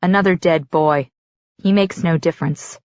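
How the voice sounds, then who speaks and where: A young prince who betrayed his friends, speaking with cold, mocking dismissal, read by a woman. The voice sits lowish. It is recorded dry and a little muffled. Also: normal speed, no room sound, lightly acted.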